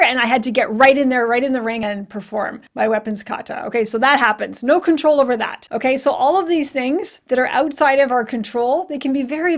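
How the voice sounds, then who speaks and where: A young woman who is sick and losing her voice talks through a casual coaching podcast episode. Her voice sits a little high for a woman. She keeps a chatty flow with small laughs and "right?" tags. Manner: chatty, laughs lightly, frequent "right?" and "okay". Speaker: podcast host and martial arts coach. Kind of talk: casual instructional talk.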